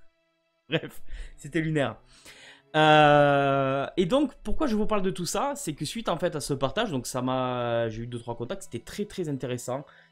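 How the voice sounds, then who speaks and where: Background music plays. The speech goes at a fairly slow pace. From France, Spanish-speaking family background. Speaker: gaming youtuber. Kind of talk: casual vlog talk. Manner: hesitant, many fillers and repetitions.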